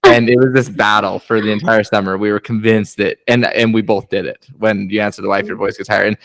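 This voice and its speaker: A man's voice: on the low side, little pitch movement, a little fast, fairly bright tone, dry recording. A young man, a guest husband, telling stories in a casual podcast chat and laughing often. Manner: chatty storyteller, laughs often.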